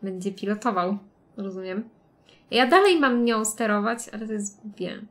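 A woman's voice: medium pitch, normal speed, a bit bright. A woman streaming a game live, chatting and greeting viewers and laughing often. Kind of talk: live let's-play commentary.

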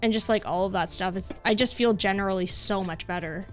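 Soft music plays in the background as a young woman in her twenties or so chats briskly at a medium pitch while gaming on stream. She's casual and bubbly, filling her talk with lots of filler words.

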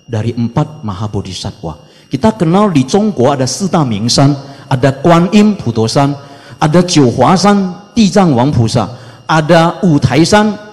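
Man preaching in an echoing hall. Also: mid-range voice. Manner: preaching, mixing in Mandarin chant phrases; emphatic rising exhortations, trailing off softly. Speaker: Buddhist monk teacher. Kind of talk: dharma talk. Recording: long reverb of a hall.

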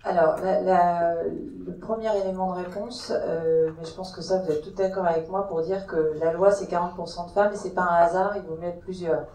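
A woman's voice: fairly low pitch, steady tone, normal speed, hardly any pauses, dark tone. A woman panelist at a round-table discussion, speaking hesitantly with many restarts into a handheld mic. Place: large conference hall. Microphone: handheld mic, filmed from far. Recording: echoey hall from far off.

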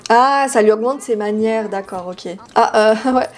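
Une jeune femme qui commente un jeu vidéo sur un ton de discussion détendue, bavarde, avec des rires et des cris aigus d'enthousiasme. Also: female voice, measured pace. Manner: chatty and giggly, with excited high squeals. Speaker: gaming YouTuber. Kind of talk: casual Let's Play commentary.

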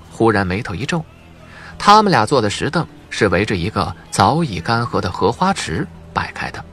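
Male audiobook narrator, animated pitch, husky tone, soft music behind. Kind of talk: expressive scripted narration.

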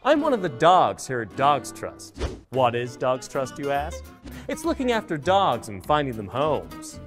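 A man's voice: mid-range voice, wildly swooping pitch, a little slow, faint music behind. A man with an American accent voicing a chirpy, cheeky dog mascot in a charity advert. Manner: upbeat, bouncy.

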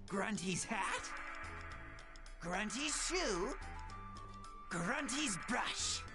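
A woman's voice: medium pitch, lively intonation, very slow, music in the background. A woman voicing an obnoxious, condescending little rodent-like mascot in a video game, bossy and cartoonish. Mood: smug, bossy. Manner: bossy, condescending, adds oinks.

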